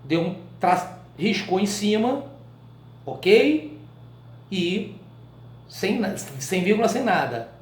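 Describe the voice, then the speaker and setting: A Brazilian man teaching a live writing class in a colloquial, animated way, often checking in with his students through short questions. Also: high-pitched, slow, long pauses, roomy sound. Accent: Brazilian Portuguese.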